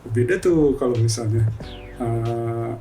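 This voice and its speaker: A man's voice: mid-range voice, slow, dark tone. A man talking casually as a guest, hesitant with many fillers and easy laughter. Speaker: guest, financial office employee. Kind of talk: relaxed conversational interview. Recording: distant mic with music behind.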